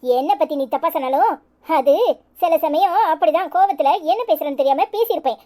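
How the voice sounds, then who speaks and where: A woman's voice: sits high, brisk, mellow, lightly acted. A woman voicing a bossy, caring elder village sister in a cartoon, with a Tirunelveli Tamil accent and a blunt, motherly manner. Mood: stern. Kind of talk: cartoon voice acting.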